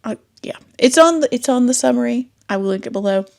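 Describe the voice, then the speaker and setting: Female book channel host with a cold: congested, gravelly, upper-register, chatty and self-correcting. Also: fairly high pitch, expressive, quick pace, darkish tone. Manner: rambling, self-correcting, laughs often. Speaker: booktube host. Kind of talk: casual book review chat. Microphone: desk microphone.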